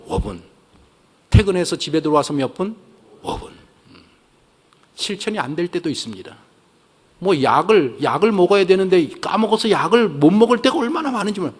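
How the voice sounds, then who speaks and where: A man preaching a sermon as pastor, asking rhetorical questions and leading the congregation to repeat prayers, shifting between soft and emphatic delivery. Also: on the high side. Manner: preaching with call-and-response prompts to the congregation.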